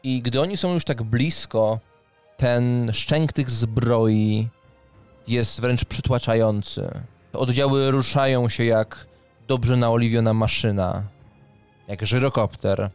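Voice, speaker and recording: A man narrating a tabletop fantasy game as game master, with deliberate, dramatic phrasing and pauses. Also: medium pitch, steady tone, a little mellow, clear, resonant tone. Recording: music under the voice.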